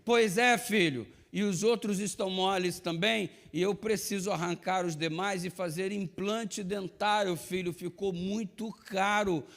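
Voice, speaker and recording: A blunt, teasing older mother, quoted by a man in a raised, lecturing tone. Her voice sits high and pushes hard on each point. She sounds like she is scolding a grown son. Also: fairly even intonation, measured pace, gravelly, few pauses, a bit bright, exaggerated voice. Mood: pleading.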